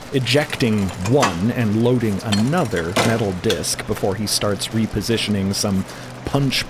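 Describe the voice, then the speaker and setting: A man's voice: on the low side, noisy background. A man narrating audio fiction in a wry, scripted storytelling style. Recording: music bed behind voice.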